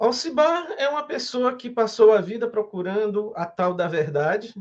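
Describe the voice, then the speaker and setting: A man with a high pitch speaks at a fairly slow pace, his intonation lively. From Brazil, Ceará (Fortaleza). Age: 50s. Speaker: spiritual mentor and psychoanalyst. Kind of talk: interview. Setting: studio, live stream.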